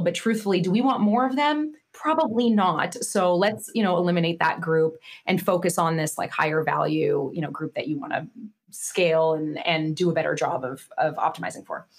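A woman in her forties, a guest author in a podcast interview, talking in a chatty way with lots of fillers. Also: on the low side. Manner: chatty, with many fillers and restarts. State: slightly nasal from losing her voice.

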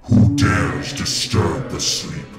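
A man's voice: takes it slowly, natural voice. A man voicing an evil male ghost train engine in a fan audio drama, with theatrical villain threats. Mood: sinister. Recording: echoey room with loud music.

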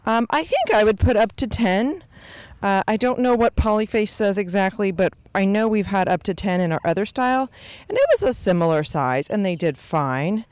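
A woman's voice: medium pitch, sing-song, moderate pace, a little mellow, dry recording. A woman giving casual, unscripted homestead vlog commentary in a folksy way, recorded outdoors with a handheld microphone. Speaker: homestead vlogger. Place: outdoors on a grassy farm yard.

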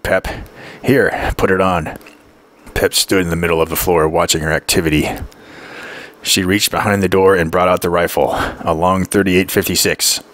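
Deep-voiced man reading an audiobook. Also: a bit bright, dry recording. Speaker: audiobook narrator. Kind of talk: scripted literary narration.

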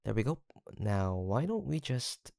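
A man playing a gentle, teasing young college roommate in an intimate audio roleplay, with a soft-spoken, hesitant manner. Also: medium pitch, very animated, measured pace, vocal fry, no echo, clean studio sound. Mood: gentle, tender. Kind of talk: intimate boyfriend-style roleplay acting, one-sided conversation.

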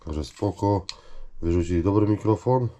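Guy rambling casual vlog style, dark relaxed voice, repeats himself, bit noisy recording. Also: low-pitched. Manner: halting, repetitive, addresses viewers. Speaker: vlogger showing finds from discarded junk.

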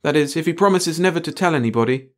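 A shrewd, excitable lab technician acted by a male narrator in a storybook reading. The voice jumps high above the reader's own and sounds insistent. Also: fast talker, natural voice. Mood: conceding. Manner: exclaiming, insistent.

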